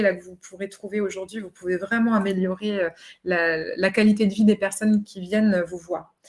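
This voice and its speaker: Her intonation fairly even, a woman talks at a fairly quick pace with a medium pitch. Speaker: naturopath and trainer. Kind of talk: webinar lecture. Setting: online webinar. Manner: hesitant fillers.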